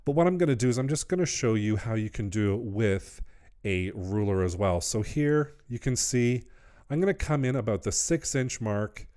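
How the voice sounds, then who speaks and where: Man, middle-aged, craft tutorial host, upbeat instructions, fairly low voice. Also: darkish tone. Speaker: wreath-making channel host.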